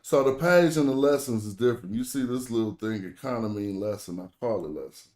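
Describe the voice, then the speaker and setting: A man's voice: mid-range voice, brisk, a little mellow. An American man speaking African American Vernacular English, teaching informally with loose, slangy phrasing as he hosts an online group lesson. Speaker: host and language teacher. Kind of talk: casual teaching chat in an online group call.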